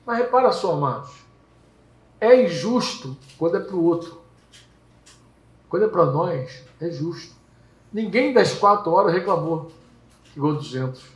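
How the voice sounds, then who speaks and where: A man preaching at a small home gathering, telling stories lively and acting out characters. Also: sits high, measured pace, long pauses. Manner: lively storytelling, acts out characters. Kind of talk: sermon. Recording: echoey room.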